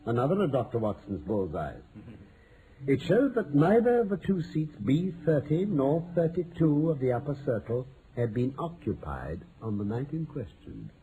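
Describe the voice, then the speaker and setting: An actor playing a confident, precise detective with a British accent, lecturing articulately in vintage radio mystery style. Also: male voice, medium pitch, very animated, moderate pace, narrow, tinny audio, close to an everyday voice. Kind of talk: 1940s-50s radio mystery acting. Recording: noisy old-time radio recording.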